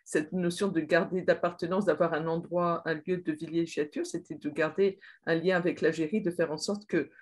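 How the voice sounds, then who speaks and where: A woman in her sixties interviewing a guest on a video call, asking soft, prompting questions through an earbud headset. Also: lowish voice, steady tone, normal speed, few pauses.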